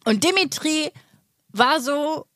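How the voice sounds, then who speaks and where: Podcast co-host, woman from Berlin, high-pitched, animated storyteller, dry studio sound. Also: slow pace, no room sound. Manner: animated storytelling, quoting people. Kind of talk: casual chat.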